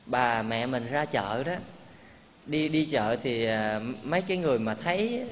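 Emotional monk preaching. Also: male voice, mid-range voice, lively intonation, measured pace. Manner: emotional, conversational storytelling with rhetorical questions. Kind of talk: sermon storytelling. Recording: long reverb, faint background hum.

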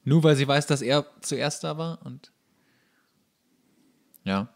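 A man's voice: a little high, takes it slowly, creaky. A man giving casual, sarcastic running commentary on a show as he watches it, as a podcast host.

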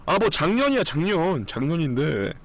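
A man's voice: a little high, sing-song, moderate pace. A man on a live stream with a strained, recovering voice, chatting in a rambling way with viewers, blunt and swearing now and then. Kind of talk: casual live-stream chat.

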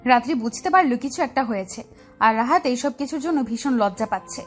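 A woman narrating a scripted family story in a steady, descriptive way. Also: a little high, fairly quick, faint music behind.

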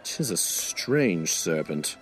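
A man's voice: deep voice, very animated, slow, soft background music, exaggerated voice. An actor playing a tipsy, gullible, amiable Roman nobleman in a Shakespearean audio drama, speaking with drunken earnestness. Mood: drunkenly curious.

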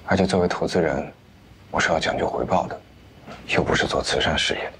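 An actor in his thirties playing a composed, confident investor, speaking in a measured, assured way in a TV drama. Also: very deep voice, background noise. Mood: calm, assured. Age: 30s. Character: composed, confident wealthy investor, rational and devoted. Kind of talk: naturalistic TV drama dialogue.

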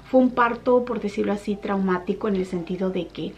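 A young woman vlogger casually telling a personal story to her viewers, animated when she retells what people said. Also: medium pitch, brisk, slight background noise.

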